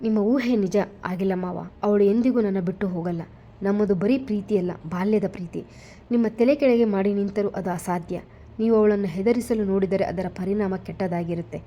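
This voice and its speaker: A woman's voice: medium pitch, normal speed, warm tone, natural voice. A woman voicing a devoted young man who comforts his beloved and threatens her father in a narrated romance story. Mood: angry. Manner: tender but flaring into anger. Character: devoted young man, protective and hot-tempered lover.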